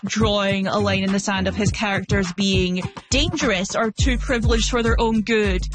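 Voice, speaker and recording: Female film critic, commentary read at medium pitch over clear music. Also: steady tone, moderate pace. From Scotland. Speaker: pop culture critic. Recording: music under the voice.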